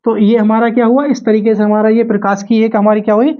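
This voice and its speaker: A man's voice: high voice, level tone, quick pace. A man teaching a physics class, repeating key phrases and asking questions that he answers himself. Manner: repetitive, asks questions and answers them himself. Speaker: physics teacher for exam coaching. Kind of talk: classroom lesson to camera. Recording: dull lo-fi audio.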